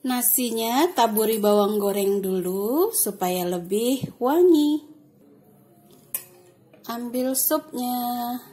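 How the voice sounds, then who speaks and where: A woman talks through her home cooking video as host. Her voice sits high and she takes her time, guiding each step in a chatty, relaxed tutorial tone. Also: slow, pauses often, soft background music. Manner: chatty, step-by-step, adds soft "ya" and "nah". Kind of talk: casual cooking tutorial voice-over.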